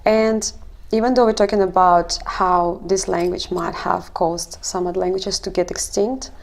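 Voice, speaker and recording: A woman from Kazakhstan, speaking English as an in a halting, explanatory way in a casual discussion. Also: lowish voice, fairly even intonation, creaky. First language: not English. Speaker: language coach and linguist.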